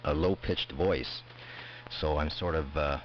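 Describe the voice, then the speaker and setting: A man from Canada with a very low voice, miked close and boosted for a broadcast sound, chats casually. His signal comes through dull and muffled with faint static behind it. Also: fairly even intonation, unhurried. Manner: technical, talks close to the mic. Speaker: ham radio operator. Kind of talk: casual radio chat.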